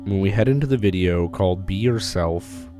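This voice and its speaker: A man with a very low voice narrates a commentary video. He sounds hoarse after a recent illness, and his delivery is casual and blunt, with a loose, mildly profane edge. Music plays steadily beneath him. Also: moderate pace. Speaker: YouTube commentator. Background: background music.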